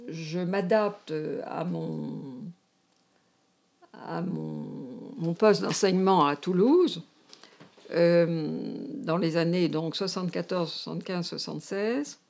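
A woman's voice: lowish voice, very animated, takes it slowly, gravelly, darkish tone. An older woman with a northern French, Parisian accent recalls her academic career in an interview, hesitantly searching for words. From France. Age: older, seventies or above. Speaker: emeritus anthropology professor, interviewee. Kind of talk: reflective career recollection in a filmed interview. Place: indoors, domestic room, seated.

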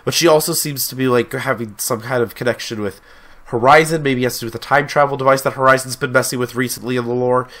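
A man's voice: medium pitch, fairly even intonation, quick pace, pushed and bright. A young man hosting a casual reaction video from a small home studio on a gaming headset, chatty and enthusiastic, getting over a cold. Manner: chatty, enthusiastic, uses lots of fillers. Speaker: YouTube reaction host.

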